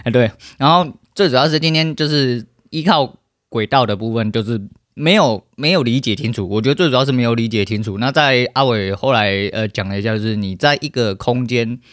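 A podcast host with a Taiwanese Mandarin accent rants solo, heated and full of profanity. He talks at a rapid clip in a middling pitch. The sound is dry and close, with no room in it. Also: fairly bright tone, no echo.

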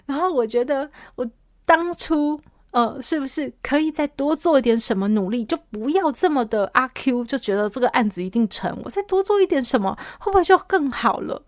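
A woman tells a personal story as a podcast host. Her voice sits a little high, and she is lively, laughing often and swinging between soft and loud. The sound is dry and close. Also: brisk, no echo.

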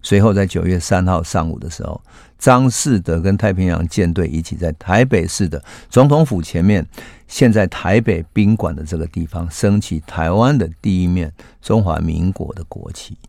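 A man hosting a history podcast, telling a story in a casual narrating voice that rises sharply when he acts out the shouts of the people in it. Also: low voice, moderate pace, creaky, dry recording, clean studio sound. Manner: animated when voicing quoted shouts; casual filler particles between phrases. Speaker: host.

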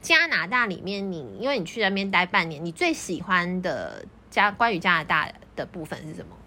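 Fast, animated woman with Taiwanese Mandarin accent. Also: lowish voice, slight background noise. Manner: inquisitive, chatty, expressive. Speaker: podcast host and teacher. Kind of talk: casual interview chat.

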